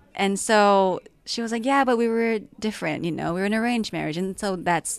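Against a quiet background, a woman with a Japanese accent speaks at a fairly quick pace with ordinary pitch variation. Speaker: filmmaker and actor. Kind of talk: interview.

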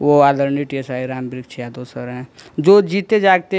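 An unremarkable speaking voice at a fairly slow pace with ordinary pitch variation. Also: man. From Uttar Pradesh, India. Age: 20s. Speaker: teacher running a free school. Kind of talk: interview; interview answer. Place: home room. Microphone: handheld.

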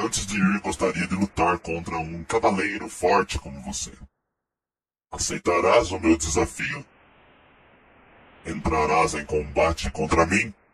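A man puts on a character voice, very deep, low and raspy, with long, frequent pauses. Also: moderate pace, ordinary pitch variation. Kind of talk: solemn fantasy speech. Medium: game stream. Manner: formal, grandiose, archaic.

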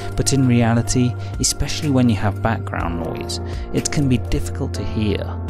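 At a moderate pace, the voice swings very widely in pitch, with music playing in the background. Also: man. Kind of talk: self-help explainer narration.

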